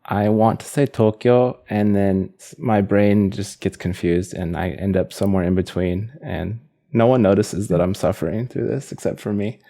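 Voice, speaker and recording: A young man with a low, dark voice and a gravelly edge co-hosts a casual podcast. He talks in a loose, chatty way and laughs at himself often. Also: steady tone, moderate pace, few pauses. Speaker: podcast co-host. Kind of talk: casual chat.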